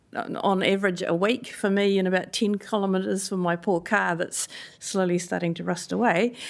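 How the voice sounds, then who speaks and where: A woman speaks at a moderate pace with a New Zealand accent and a medium pitch. The recording is very clean, with a silent background. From New Zealand, Wellington. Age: 60s. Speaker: member of the public making a submission. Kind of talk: public submission to council. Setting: council committee meeting in person. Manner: halting, many fillers.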